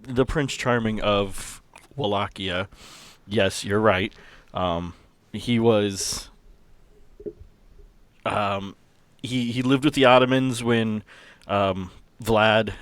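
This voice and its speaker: A man explaining a character's background in a casual, halting way as a podcast guest. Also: fairly low pitch, clear, resonant tone. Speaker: podcast guest introducing his game character.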